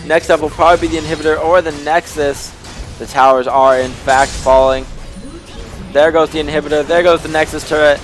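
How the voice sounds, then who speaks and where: A young man giving amateur play-by-play commentary on a video game, getting excitable and loud during fights. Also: a little high, fairly quick, soft background music.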